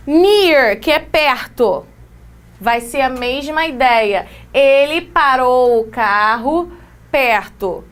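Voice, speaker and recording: A woman with a Brazilian Portuguese accent teaching an English grammar lesson, explaining with quick examples and playful asides. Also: high-pitched, fairly bright tone, clean tone. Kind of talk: exam-prep grammar lesson.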